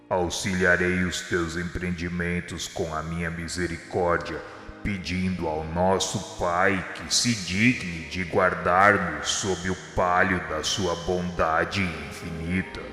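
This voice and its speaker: Brief: male actor as solemn, benevolent holy master for religious radio play; very low, forceful voice, formal and measured. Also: heavily acted. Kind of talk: devotional radio drama acting. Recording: echoey long reverb, faint music behind. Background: soft music.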